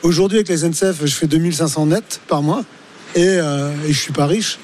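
Man, 50s, colloquial panellist, raised pitch, faint hall noise. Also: a little fast, darkish tone. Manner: colloquial, full of conversational tags. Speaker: talk show panellist. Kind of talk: casual unscripted chat. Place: exhibition hall stand at an agricultural fair. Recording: faint hall ambience behind.

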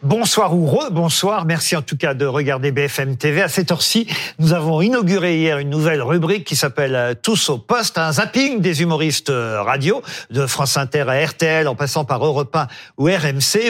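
Male talk-show host, high voice, brisk and playful with guests. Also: lively intonation, a bit bright. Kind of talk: live news talk show.

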